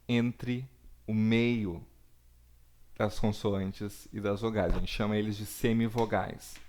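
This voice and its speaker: A man, teaching a recorded lesson with slow, deliberate explanations and frequent checks for understanding. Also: lowish voice, a little mellow. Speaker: Portuguese teacher.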